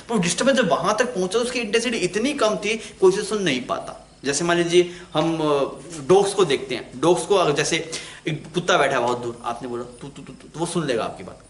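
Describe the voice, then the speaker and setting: A man's voice: high-pitched, fairly bright tone. A man teaching physics in an online lecture, chatty, asking the class questions and answering them himself. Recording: echoey room.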